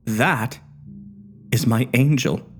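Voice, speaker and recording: A man reading a story aloud, voicing an obsessive, unhinged doctor who speaks with quiet menace. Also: mid-range voice, very slow, faint music behind. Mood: menacing.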